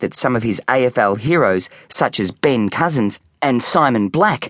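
Lively intonation in an unforced reading voice

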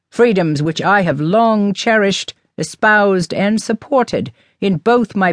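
A woman with an unremarkable speaking voice, in a dry, close sound with no echo. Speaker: audiobook narrator. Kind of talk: audiobook reading of a will-reading scene, voicing the lawyer's solemn bequests. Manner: measured, grave delivery mimicking a lawyer's practiced gravitas; shifts into character voices for outbursts and pleading.

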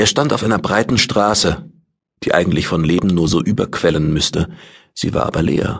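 A man speaks with vocal fry and lively intonation at a moderate pace. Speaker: audiobook narrator. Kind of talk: dramatic audiobook narration of a sci-fi novel, read aloud. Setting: studio.

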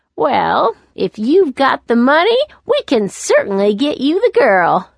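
Using a put-on character voice, a woman speaks fairly slowly at a high pitch with very wide pitch swings, very even loudness and a dry, close sound with no echo. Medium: read story. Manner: congenial, informal.

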